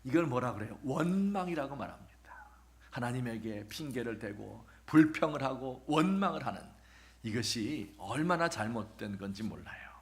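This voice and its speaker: A man preaching a sermon as pastor, telling a story with questions to the congregation and funny asides, dropping at times to a hushed near-whisper. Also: medium pitch, lively intonation, moderate pace. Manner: acts out quoted voices, drops to a hushed near-whisper at times; humorous asides about married life.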